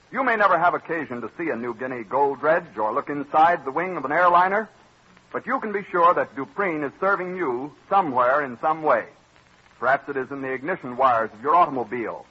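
A middle-aged man reading a scripted sponsor message and announcements in a formal, measured old-time radio announcer manner. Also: a little high, breathy edge. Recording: dull lo-fi old radio broadcast recording.

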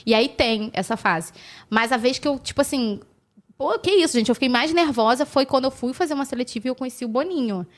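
A woman from Brazil telling animated stories as a podcast guest, acting out the people she quotes and laughing often. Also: high voice, fast talker. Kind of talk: casual storytelling chat.

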